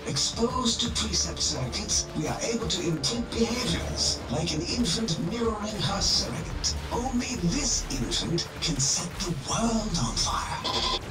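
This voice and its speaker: An actor playing a zealous old visionary industrialist villain in a video game, speaking in a grandiose, deliberate, theatrical manner. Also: male voice, high-pitched, sing-song. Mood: solemn, grandiose. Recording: echoey, music behind the voice.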